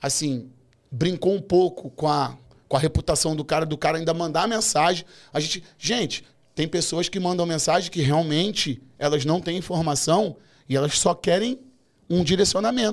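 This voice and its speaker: The pace is moderate, with ordinary pitch variation. The recording is very clean and the background silent. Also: man, high pitch for a man. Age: 40s. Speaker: rideshare driver. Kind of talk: casual podcast chat. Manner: animated.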